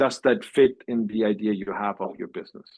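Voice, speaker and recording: A man talks with a German accent. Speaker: real estate investor. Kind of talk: Q&A on a video call.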